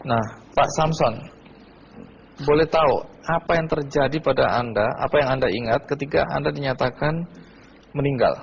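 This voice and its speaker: A man's voice: mid-range voice, normal speed, creaky, long pauses. A man interviewing guests on a TV testimony program, asking probing, leading questions. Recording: dull lo-fi TV audio, faint noise.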